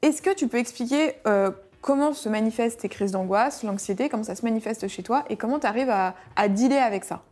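A woman interviewer who talks fast, dropping short teasing remarks to keep her guest going. Her voice sits a bit high, and the chat stays relaxed and informal. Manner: brief encouraging interjections, teasing.

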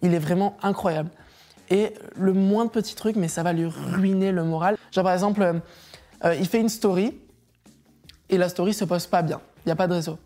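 A woman's voice: lowish voice, normal speed, soft background music. A young adult woman, an interview guest, telling stories in casual chat, laughing often and acting out what others said. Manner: animated storyteller, laughs often, acts out quotes.

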